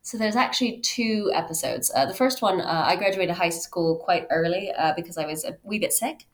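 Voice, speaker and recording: A woman in her thirties from Canada, a podcast guest telling her own story conversationally in an animated way. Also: on the low side, normal speed. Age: 30s. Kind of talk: conversational interview, personal storytelling.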